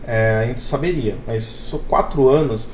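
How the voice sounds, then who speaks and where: A man's voice: medium pitch, unhurried, a little hiss or hum. A man with a São Paulo accent, joking and teasing as a podcast co-host in casual chat. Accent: São Paulo Portuguese. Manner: joking, teasing, says "cara" a lot. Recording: echoey room.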